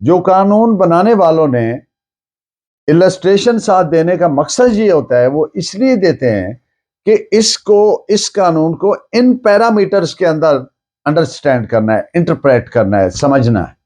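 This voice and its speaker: Pakistani guy teaching law, slowish and deliberate, voice a bit on the high side, rephrases as he explains. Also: very animated, a little mellow. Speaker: law lecturer. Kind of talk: lecture, explaining a legal text.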